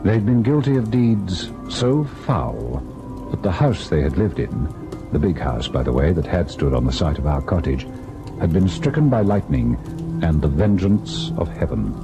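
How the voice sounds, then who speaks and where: An actor playing an educated, earnest husband who narrates a ghost tale in old-time radio style, expressive and at times hesitant. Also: male voice, sits low, normal speed, over music. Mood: brooding, reflective. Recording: noisy vintage radio recording.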